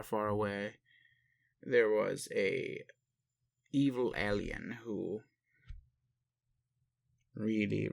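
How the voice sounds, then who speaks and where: A man playing a gentle, doting blue-skinned alien caretaker in a roleplay audio, rambling playfully and speaking tenderly to the listener. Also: lowish voice, vocal fry. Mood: teasing, rambling. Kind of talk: soft roleplay monologue to a listener.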